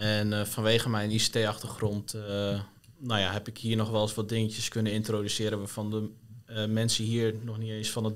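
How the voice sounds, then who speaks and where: The speaker is a man with a fairly low pitch. He moves along at a fairly quick pace. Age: 20s. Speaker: communications intern. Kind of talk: casual chat.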